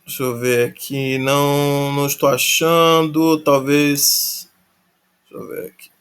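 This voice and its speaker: A slow, unhurried man with a fairly high voice walks through a grammar lesson. He thinks aloud, restarts his sentences and spells out verb endings one syllable at a time. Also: level tone, fairly bright tone, clean tone. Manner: thinks aloud, many restarts and tag questions. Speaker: Greek teacher. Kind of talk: casual recorded grammar lesson.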